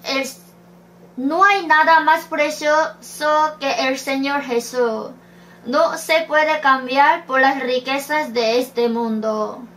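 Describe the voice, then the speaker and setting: A woman's voice: high voice, slow, a bit bright. A woman preaching a sermon, reading scripture verses aloud and asking rhetorical questions. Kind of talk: slow sermon.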